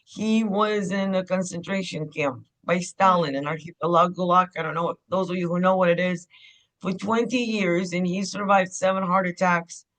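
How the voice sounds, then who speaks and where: Bright-voiced woman. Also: lowish voice, steady tone, rough recording. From Ukraine. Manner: candid, unhurried storytelling. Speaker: guest, clinic owner. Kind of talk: podcast interview.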